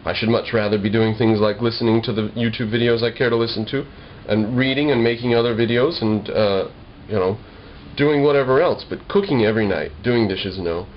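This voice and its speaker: The video blogger here is a young American man with a lowish voice who talks fairly quickly. Addressing the camera casually in his homemade vlog, he explains things in a wry, slightly formal way, captured as dull, noisy lo-fi home video.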